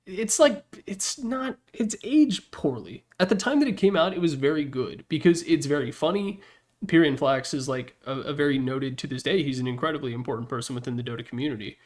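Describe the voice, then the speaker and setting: A fairly quick, medium-pitched man's voice carries casual, rambling commentary as he hosts a ranking of game announcer packs. He's blunt, candid and sweary, recording in his room on a Yeti desktop microphone.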